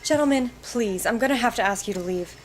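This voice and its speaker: A woman's voice: on the high side, brisk, lightly acted. A woman playing a security guard in a fan web drama, giving a firm but apologetic, official warning.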